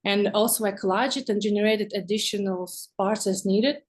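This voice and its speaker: A woman who is not a native English speaker, talking casually and haltingly as a guest artist in an interview. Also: mid-range voice, fairly even intonation.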